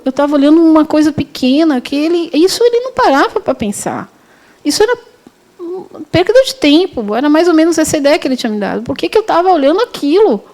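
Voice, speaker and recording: High, mellow-voiced woman teaching. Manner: conversational, with frequent restarts and self-corrections. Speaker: university lecturer teaching a spiritist course. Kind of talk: storytelling lecture.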